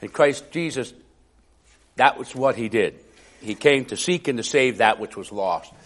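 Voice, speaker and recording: Raspy, hoarse male preacher. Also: mid-range voice, expressive, a little slow. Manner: conversational, chuckling asides. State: hoarse with a cough. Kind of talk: sermon.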